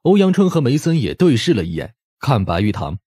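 A man's voice: medium pitch, big pitch swings, a little fast, dark tone, breathy edge, no echo, clean studio sound. A man reading scripted story narration expressively, as an audiobook narrator.

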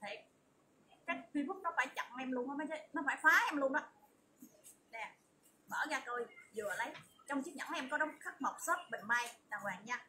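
A woman with a southern Vietnamese accent giving a chatty, repetitive livestream sales pitch as an online shop seller. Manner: chatty, repetitive, emphatic assurances. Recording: distant mic with loud background noise.

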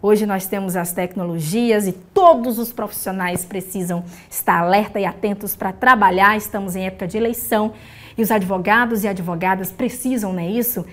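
A woman's voice: medium pitch, fairly even intonation, a little fast. A woman in her thirties hosting a morning TV program, introducing a guest in a polished, welcoming presenter delivery, recorded on a lapel mic in a studio. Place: TV news studio.

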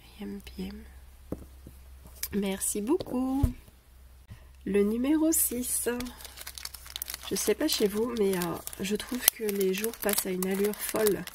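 A woman's voice: medium pitch, background noise. A woman with a cold and a stuffy voice, chatting casually as she unboxes craft gifts on camera and hesitating often. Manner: hesitant, many pauses and "euh" fillers. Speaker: craft vlogger. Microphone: camera over a tabletop, speaker off-frame. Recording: paper crinkling and clicks behind.

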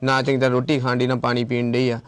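In this confrontational video shot on location, the same Tarn Taran, Punjab ashram caretaker presses his case fast and in a monotone, his medium-pitched voice smooth and free of room sound. He keeps circling back to his points and quotes phone calls.

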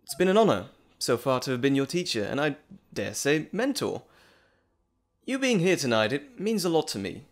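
Audio roleplay role, male actor: scholarly gentleman doctor, bashful and well-mannered, eager to ramble, articulate, very varied pitch. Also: big pitch swings, normal speed. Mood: flustered, friendly. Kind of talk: audio drama roleplay acting, addressing the listener.

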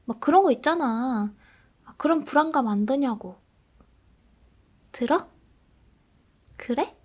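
A woman in a soft role-play, playing a grumpy, sulky girlfriend who is on a diet and low on self-esteem. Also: expressive, slow pace.

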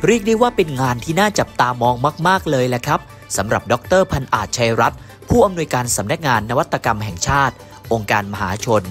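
A man reading a scripted news voice-over in a smooth, even manner. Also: medium pitch, quick pace, soft background music. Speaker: news narrator.

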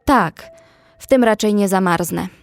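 A woman's voice: mid-range voice, a little slow, creaky, dry recording. A woman playing a young female survivor who narrates a horror audio drama in the first person. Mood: calm, observant. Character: young female survivor recounting a frozen zombie outbreak. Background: faint music.

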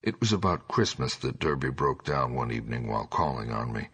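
A man with a gravelly voice narrating a scripted horror story as an audiobook. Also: extremely low pitch, expressive, a little fast, a bit bright.

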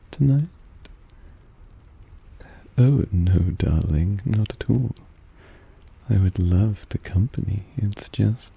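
Man as a deep, slow, doting vampire. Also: creaky, slightly rough, full character voice. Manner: soft, teasing, soothing, often whispering. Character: suave, possessive, doting male vampire. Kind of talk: intimate ASMR roleplay.

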